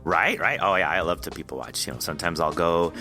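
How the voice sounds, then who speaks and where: Male podcast host, low pitch, crisp bright delivery, rambling friendly chat. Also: quick pace, soft background music. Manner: friendly, rambling, laughs often. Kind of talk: casual interview chat.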